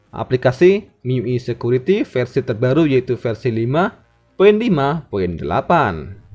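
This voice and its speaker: A man's voice: medium pitch, a little mellow. A man hosting a tech tutorial in methodical, scripted narration. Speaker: tech channel host. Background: background music.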